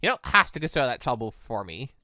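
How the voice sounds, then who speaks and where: A man's voice: mid-range voice, sing-song, quick pace, bright, forceful tone, no echo, studio quality, pitched below the performer's own voice. A man voicing a queasy, bewildered, self-deprecating young male stranger in a visual novel. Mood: flat, hesitant. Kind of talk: reading a visual novel aloud.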